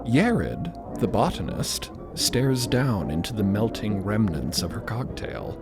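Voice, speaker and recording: A man's voice: on the low side, big pitch swings, slow. A man narrating scripted fiction as a podcast storyteller. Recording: loud music under the voice.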